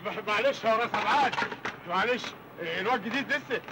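An actor playing a poor, patient middle-aged uncle with an Egyptian accent in a film comedy. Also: male voice, sits high, fast, background noise, lightly acted. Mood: placating. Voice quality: coaxing, placating.

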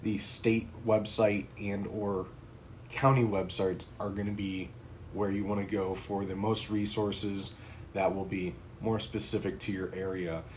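A man in his thirties from Pennsylvania, United States, hosts a prepping channel and talks casually to camera from a small home office, saying "um" often. His voice sits fairly low, with a flat delivery and measured pace. There's a little hiss or hum, and it plays like a casual talking-head vlog.

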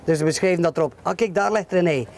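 Very fast and fairly high-pitched, with a darkish tone, a middle-aged Flemish man explains his ostrich farm to a tour group among the sheds and outdoor pens. He keeps it chatty, peppering his sentences with "hè" and "voilà."

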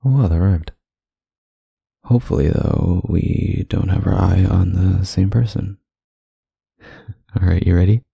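Male actor for flirty club singer, ASMR roleplay. Deep, heavy fry, hesitant and self-mocking, music behind. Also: measured pace, pauses often, no room sound, full character voice. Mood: wry, flirty. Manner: hesitant, softly teasing, self-deprecating. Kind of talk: ASMR roleplay acting, casual flirty banter. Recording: close dry mic, music behind. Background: music in a staged club scene.

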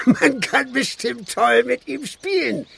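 An actor playing a sneering, cruel village squire in a radio play, mocking and taunting. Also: male voice, very high voice, slow, gravelly, fairly bright tone, husky, full character voice. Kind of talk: German radio play acting.

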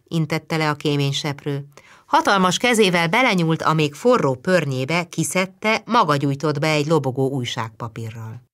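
A woman narrating a literary audiobook in a calm, measured way. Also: deep voice. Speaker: audiobook reader.

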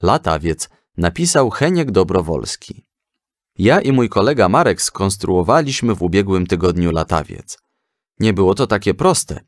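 A man voicing an eager, proud young schoolboy in a children's story, earnest and animated. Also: low-pitched, normal speed, no echo, clean studio sound.

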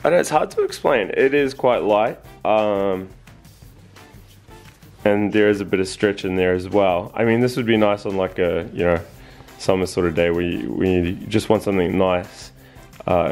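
A relaxed man in his thirties reviews clothes in a chatty, easygoing way, trailing into ums and uhs. His voice sits on the low side, and the living room around him rings with echo. Faint music plays under him. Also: moderate pace. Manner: chatty, relaxed, many fillers. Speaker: vlogger. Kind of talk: casual product review. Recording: echoey room.

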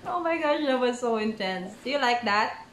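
Excitable woman, lively high voice. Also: moderate pace, a little hiss or hum. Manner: excitable, exclaiming, laughing often. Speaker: reaction video host. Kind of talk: casual reaction commentary. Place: small room at home, indoors. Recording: roomy echoey home room.

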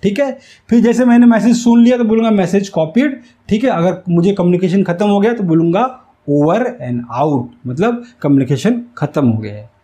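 A man teaches in a high, soft-edged voice. He explains things step by step as an instructor does, going back over key phrases so they stick. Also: lively intonation, moderate pace. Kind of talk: instructional whiteboard lesson. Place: small indoor room with whiteboard. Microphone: lapel mic.

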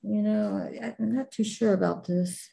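A woman's voice: medium pitch, fairly even intonation, normal speed, gravelly, warm tone. A middle-aged woman teaching a clay class, chatting casually and thinking aloud with many fillers as she works. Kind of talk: casual chat while demonstrating.

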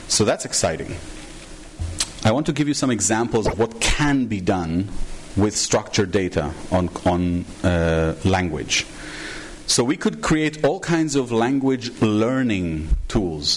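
A middle-aged man giving a conference talk from a podium in a large hall, chatty and enthusiastic, often asking the audience "right?". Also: medium pitch. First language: Hebrew. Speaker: conference trainer. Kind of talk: conference presentation.

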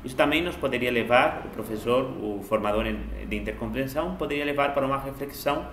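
A man's voice: medium pitch, fast talker, a bit bright, slight background noise. A man in his thirties giving a didactic, explanatory online language lesson from a small room at home. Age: 30s. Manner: didactic, enunciates examples from several languages. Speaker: language teacher giving a mini-course. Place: small home study, indoors. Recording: roomy, echoey home room sound.

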